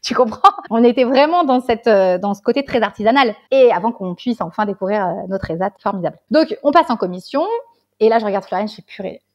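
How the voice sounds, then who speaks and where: A woman guest on a podcast telling an animated, casual story, swearing freely and checking in with the listener. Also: on the high side, fairly quick, highs cut off. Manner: animated, swears casually, keeps saying "tu vois". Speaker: guest, tea salon founder.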